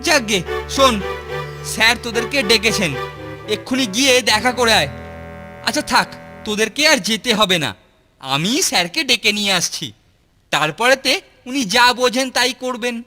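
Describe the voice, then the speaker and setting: A man's voice: very high voice, expressive, normal speed, pauses often, sharp tone, heavily acted. A man voicing a boastful, taunting schoolboy bully in a cartoon. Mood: gloating, taunting. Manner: swaggering, taunting. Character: boastful bullying schoolboy, loud would-be boxing champion. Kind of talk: cartoon voice acting. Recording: long reverb, music behind.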